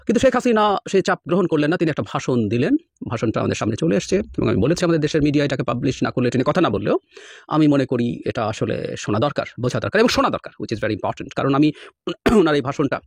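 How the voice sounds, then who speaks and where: Animated, fast-talking male commentator. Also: mid-range voice, vocal fry, slightly rough, no echo, clean studio sound. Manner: animated and scornful, mixes in English phrases. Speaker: political commentator. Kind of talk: spoken commentary.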